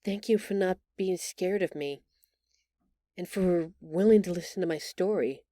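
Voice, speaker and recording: Slow, soft-toned, timid alien woman voiced by an actress. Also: on the low side, no echo, lightly acted. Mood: grateful, shy. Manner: hesitant, earnest, tender, halting with stammers. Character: gentle, timid bioluminescent alien woman, shapeshifter in human exile. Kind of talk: intimate scripted audio roleplay acting.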